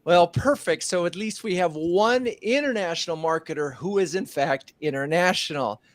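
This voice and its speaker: A man's voice: sits high, normal speed, no echo. A man hosting a live streamed marketing show from his home studio, upbeat, moving from a scripted welcome into chatty questions. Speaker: host.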